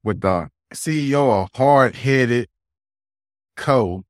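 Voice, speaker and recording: A man's voice: medium pitch, slow pace, dry recording, clean studio sound. A man co-hosting a podcast, chatting casually with hype-man affirmations. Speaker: podcast co-host.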